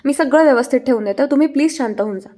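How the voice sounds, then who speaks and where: A woman voicing a polite young woman who pleads and calms her boss in a recap of a TV serial. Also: high-pitched, very fast, lightly acted. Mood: soothing. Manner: pleading, calming, polite "sir" address. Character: gentle young woman, anxious and soothing caretaker.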